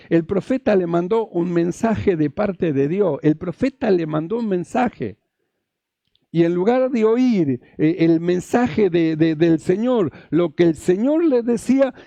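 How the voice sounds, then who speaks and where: A man's voice: high voice, creaky, dark tone, no echo, highs cut off. A male pastor, preaching a sermon, repeating phrases and asking the congregation rhetorical questions.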